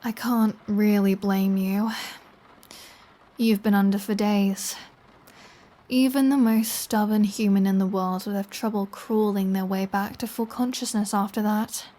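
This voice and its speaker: Slow-talking, flirty female vampire, played by a woman. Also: medium pitch, steady tone, warm tone, natural voice. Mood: impatient, fond. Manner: slow, teasing, sardonic, casually profane. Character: flirty, taunting female vampire with a predatory streak. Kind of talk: intimate ASMR audio roleplay monologue.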